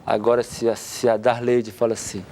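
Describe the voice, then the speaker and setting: Brief: Brazilian man, 50s, family counselor on a studio talk show; animated, plays out little scenes in different voices. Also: medium pitch, normal speed, a little hiss or hum. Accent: Brazilian Portuguese. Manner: lively, acts out spouses' quotes.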